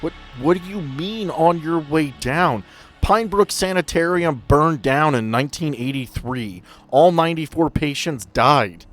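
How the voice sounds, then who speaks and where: A man's voice: a little high, lively intonation, a little slow, soft background music, pitched above the performer's own voice. A man playing a frantic voice trapped below. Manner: pleading, frantic. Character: panicked trapped man calling on a ghostly radio.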